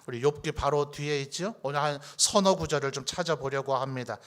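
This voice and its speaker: A man's voice: a little high, brisk. A male pastor delivering a Sunday sermon, earnest and pleading as he reads scripture aloud.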